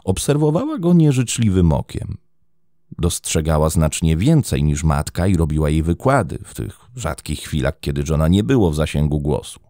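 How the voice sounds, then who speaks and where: A man's voice: sing-song, normal speed, warm tone, no echo. A man narrating a scripted true-crime story in a dramatic storytelling manner, close to the mic in a studio. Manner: dramatic storytelling, wide pitch swings.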